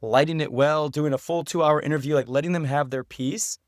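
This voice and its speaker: An American man with a slightly high voice gives a conversational interview. He explains things earnestly, like a documentary director telling a story, and repeats phrases for emphasis. The sound is fairly dry and close. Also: fairly quick, no echo. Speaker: podcast guest, documentary director.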